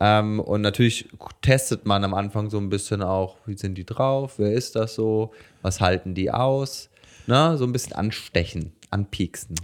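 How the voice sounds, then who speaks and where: In a very clean recording with a silent background, a man with a plain, everyday voice speaks at a fairly slow pace, his fairly low pitch showing ordinary variation. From Lower Franconia, Germany. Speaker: stand-up comedian. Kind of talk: casual chat.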